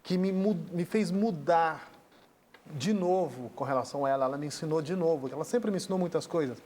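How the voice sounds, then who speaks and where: Male guest, Brazilian accent, high voice, heartfelt storyteller who voices the people in his story. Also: fairly quick, a little mellow, a little hiss or hum. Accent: Brazilian Portuguese. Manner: earnest, acts out dialogue in the retelling. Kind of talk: emotional personal storytelling.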